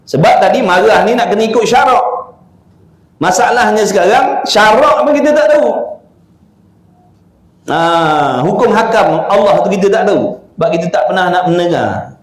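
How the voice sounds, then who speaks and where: A man from Malaysia with a Malaysian Malay accent giving a religious lecture, reading from a book and explaining it with lively swings of pitch and rhetorical questions. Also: moderate pace. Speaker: religious teacher. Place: religious study house. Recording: echoey room.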